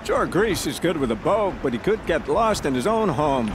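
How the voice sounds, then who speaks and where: An actor playing a worried, talkative tribal guard in a video game, fretful and wry. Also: male voice, a little high, very animated, moderate pace. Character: worried, chatty tribal man on guard duty. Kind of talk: video game character acting. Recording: clear outdoor ambient noise behind.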